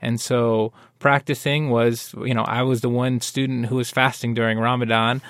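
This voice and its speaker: A man from Wyoming speaking as a guest in a panel discussion, explaining his views in an earnest, measured way. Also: mid-range voice, level tone, fairly bright tone, dry recording, clean studio sound. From Wyoming, USA.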